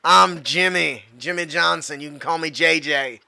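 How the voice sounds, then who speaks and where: A man's voice: fairly high pitch, normal speed, creaky, sharp tone, full character voice. A man voicing a laid-back stoner security guard with a drawling, easygoing voice. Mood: mellow.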